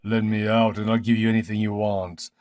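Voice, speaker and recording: A man voicing a trapped devil in a storybook, loud, urgent and imploring. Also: lowish voice, little pitch movement, brisk, dry recording, clean studio sound, close to an everyday voice. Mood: desperate, pleading. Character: trapped devil, desperate, shouting and pleading male demon. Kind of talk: dramatic storybook character voice.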